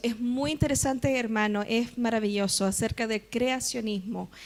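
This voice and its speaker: A woman talks at a high pitch and a moderate pace with ordinary pitch variation. She has a slight American accent. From Chile (raised by US missionary parents). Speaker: homeschool ministry founder and speaker. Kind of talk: conference talk. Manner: conversational with frequent fillers.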